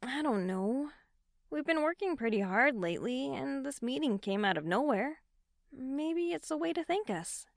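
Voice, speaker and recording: A young woman played by an actress with a fairly high voice. She is friendly and easygoing, a bookish type. Her delivery is natural and conversational, as in an audio drama. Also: lively intonation, moderate pace, creaky, dry recording, studio quality. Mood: playful, easygoing. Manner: casual, conversational.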